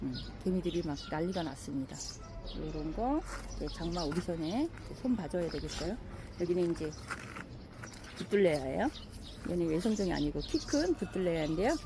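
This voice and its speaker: A middle-aged woman chatting casually as she walks through her outdoor flower garden, admiring the plants with many soft fillers. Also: on the low side, animated, a little fast, noisy background. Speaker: gardening vlogger.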